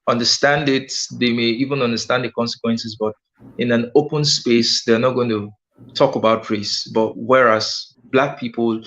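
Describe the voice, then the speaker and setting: Male host, probing and measured, slightly dull recording. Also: mid-range voice, slight background noise. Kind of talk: discussion host. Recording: dull lo-fi sound.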